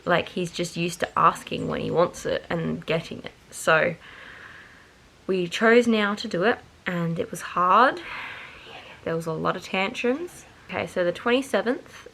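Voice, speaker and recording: A woman's voice: on the low side, measured pace, gravelly, fairly bright tone, poor audio. A tired, nasal-sounding young woman, chatting to camera and rambling as she corrects herself. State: tired and nasal with hay fever. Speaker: vlogger. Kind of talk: casual chat to camera.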